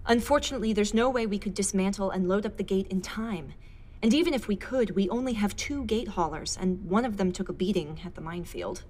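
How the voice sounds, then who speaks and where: An actress playing the composed, earnest director of a space expedition in a science fiction audio drama, formal and measured. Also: female voice, medium pitch, a little mellow, close to an everyday voice. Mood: composed, official. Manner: formal, measured public address.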